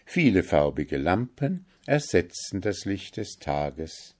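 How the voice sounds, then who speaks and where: A man tells a fairy tale in an audiobook. His voice sits low and his pace is slow. He reads in a measured and calm way. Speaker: narrator. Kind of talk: audiobook storytelling.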